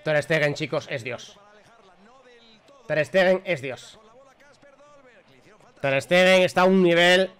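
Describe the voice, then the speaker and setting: Excitable fan, higher-pitched man. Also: slow, long pauses, clean tone. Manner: excitable, shouting at big moments, chatty asides. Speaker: fan reacting live to a match. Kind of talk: live football reaction stream.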